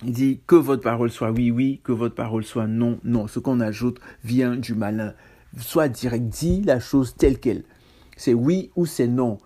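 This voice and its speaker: A man's voice: mid-range voice, steady tone, moderate pace, warm tone. A man preaching a casual sermon on scripture, talking conversationally with self-mocking asides and stammered restarts.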